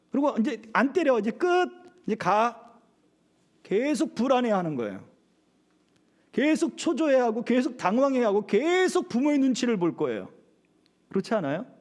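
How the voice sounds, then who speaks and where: A man's voice: high-pitched, a little mellow. A middle-aged male pastor preaching a sermon at a church service, often asking the congregation rhetorical questions.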